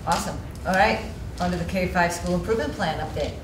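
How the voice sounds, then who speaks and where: A woman chairing a school committee meeting, brisk and upbeat as she moves through the votes. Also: fairly low pitch. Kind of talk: running a public meeting. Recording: echoey room from a distance, noisy.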